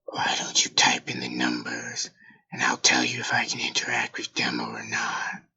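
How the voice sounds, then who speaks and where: A performer voicing an impersonal device in an audio drama, with a whispery, gravelly delivery and formal phrasing. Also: rumbling low, very animated, normal speed, pushed and bright, muffled recording, exaggerated voice. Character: robotic remote device reporting codes in a flat system voice.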